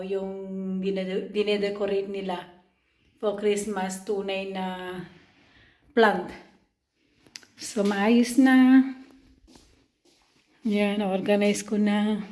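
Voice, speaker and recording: A chatty Filipino-accented woman talks casually to her viewers, mid-pitched and easygoing. She is recorded on a small handheld camera, and a roomy echo hangs around her voice. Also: a little mellow. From Philippines. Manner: chatty, addresses viewers as friends. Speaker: vlogger and nanny. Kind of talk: casual vlog chat. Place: house and garden, indoors and out. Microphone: handheld compact camera.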